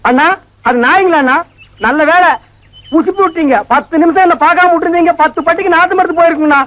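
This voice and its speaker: A man's voice: extremely high pitch, steady tone, fast, no echo. A man playing a comic villager, talking in a deferential, polite way. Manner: deferential, ends lines with polite -nga. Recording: dull dry lo-fi film soundtrack.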